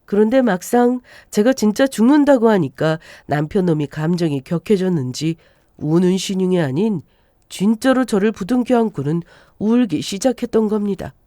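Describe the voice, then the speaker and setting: A woman in her forties narrating a scripted first-person story with lively, expressive storytelling. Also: medium pitch, normal speed, no room sound, clean studio sound. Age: 40s.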